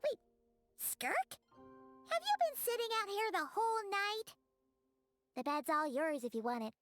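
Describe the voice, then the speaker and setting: Squeaky childlike fairy sidekick. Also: female voice, big pitch swings, a little slow, fairly bright tone, full character voice. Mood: casual, grumbling. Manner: refers to self in third person, exclamatory. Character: tiny chatty childlike female fairy companion, cheeky. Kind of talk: video game character voice acting. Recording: light music behind the voice.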